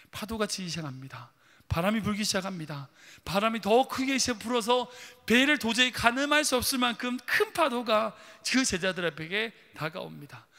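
A man's voice: high voice, pushed and bright, big-room sound. A man preaching a sermon dramatically, full of rhetorical questions. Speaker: pastor. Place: church sanctuary.

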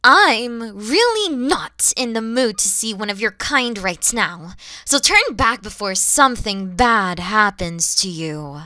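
Female actor for a proud dragon mother, audio roleplay: highly expressive, slow, theatrical menace with breathy drops. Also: no echo, studio quality. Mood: haughty, threatening. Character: proud, wary, motherly female dragon guarding her egg. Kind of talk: ASMR audio roleplay acting.

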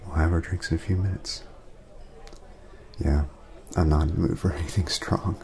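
A man speaking softly in a casual ASMR roleplay, laid-back and friendly, chatting as if to a friend. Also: low voice, steady tone, normal speed. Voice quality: soft, breathy at times, creaky.

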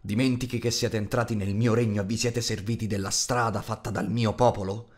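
A man's voice: medium pitch, natural voice. Male elf king played by a man narrator: stern, commanding, accusatory, fantasy audiobook.

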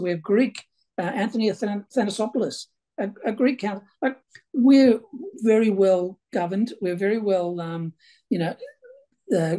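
A man's voice: high voice, mellow. A man in his sixties, born in Ireland, talking as a local councillor on a video call from a small room, chatty and repeating words as he goes. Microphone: video call webcam.

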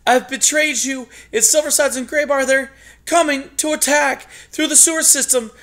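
A man's voice: very high-pitched, fairly even intonation, moderate pace, sharp tone, voice pushed up, exaggerated voice. A man voicing an exhausted, guilt-stricken male white mouse who pleads frantically and breathlessly. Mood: pleading.

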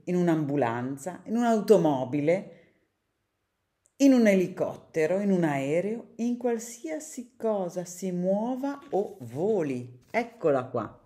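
A woman voicing an excitable, imaginative young male dog in a children's storybook reading, talking in a playful, eager way. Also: on the low side, unhurried.

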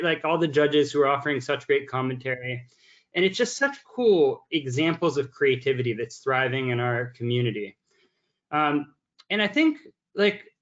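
A man's voice: fairly high pitch, fairly bright tone. A man in his thirties from the Bay Area, a sponsor representative talking casually and earnestly, full of "like" fillers, from a room at home. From San Francisco Bay Area. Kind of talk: casual talk on a video call. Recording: dull lo-fi video call audio.

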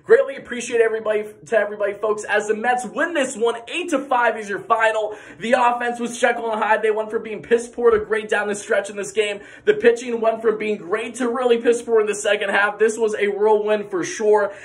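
A young man hosting a post-game sports recap vlog, recorded on a phone at arm's length in a small room, running through the plays with excited bursts of shouting. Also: high voice, a little fast, few pauses. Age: young adult. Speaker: sports channel host.

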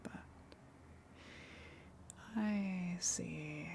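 A woman voicing a luring tentacled sea monster in an ASMR roleplay, coaxing softly in a breathy, hushed whisper with long pauses. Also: fairly low pitch, a little hiss or hum, exaggerated voice. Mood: quietly menacing.

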